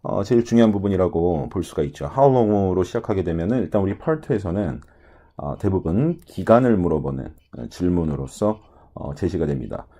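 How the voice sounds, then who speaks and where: Male test-prep instructor with a low, husky voice; lively, swooping lecture delivery full of fillers. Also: moderate pace. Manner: filler-heavy lecturing, frequent "ja" and "ye"; mimics English pronunciation in examples. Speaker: TOEIC listening instructor. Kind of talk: video lecture explaining test answers.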